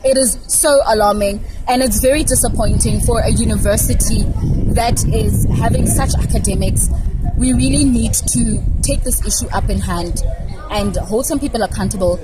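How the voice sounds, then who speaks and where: A woman's voice: a little high, normal speed. A young woman student from Pretoria speaking out earnestly about social problems, often repeating words as she builds her point. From Pretoria, South Africa. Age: young adult. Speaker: university student. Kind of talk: impassioned vox pop answer. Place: outdoors on a campus. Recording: noisy outdoor recording.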